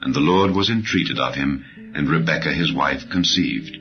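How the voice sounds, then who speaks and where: A man with a very deep voice narrates scripture for an audiobook. His delivery is solemn and measured, each phrase settling downward at its close. The sound is a little muffled, with music clearly playing underneath. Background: background music.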